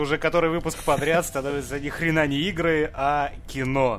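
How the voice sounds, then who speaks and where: With fairly even intonation, a man talks at a moderate pace in a plain, everyday voice. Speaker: gaming podcast co-host. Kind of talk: casual chat. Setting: Skype call. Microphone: poor sound, misbehaving computer mic.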